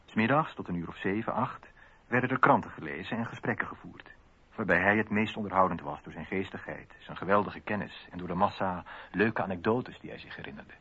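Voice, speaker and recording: An actor playing a man who recalls a hidden friend in a measured radio play monologue. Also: deep voice, sharp tone, slightly rough, exaggerated voice. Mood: fond, reflective. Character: male memoirist fondly recalling a hidden friend. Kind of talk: reminiscing monologue in radio drama. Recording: slightly dull radio recording.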